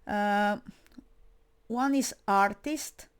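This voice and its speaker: Slow, hesitant non-native woman. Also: medium pitch, clean tone. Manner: hesitant, many fillers and restarts; non-native English speaker. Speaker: metal media creator. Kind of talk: casual spoken monologue.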